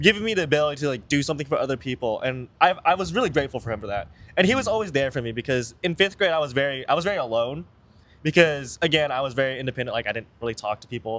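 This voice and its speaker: Very fast speech in an American accent carries lively intonation on a very clean recording with a silent background. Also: man, fairly high pitch for a man. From Texas (Houston). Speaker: university student. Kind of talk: casual chat. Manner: enunciating more than usual.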